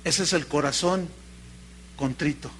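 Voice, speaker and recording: A man with a Mexican accent preaching a sermon, telling stories in an animated way and calling his listeners brother. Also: on the high side, a little slow, slight background noise. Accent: Mexican Spanish. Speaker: pastor.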